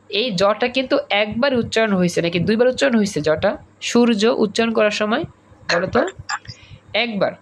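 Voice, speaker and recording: A male teacher from Bangladesh, whose voice sits high, runs an online class over a video call. He drills his students with repeated questions and examples.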